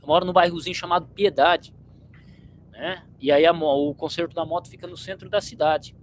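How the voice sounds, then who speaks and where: A man's voice: on the high side, fairly even intonation, fairly quick, a little hiss or hum, rough recording. A man from São state, hosting his channel in a blunt, slangy, rambling monologue to viewers. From São Paulo state, Brazil. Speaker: channel host.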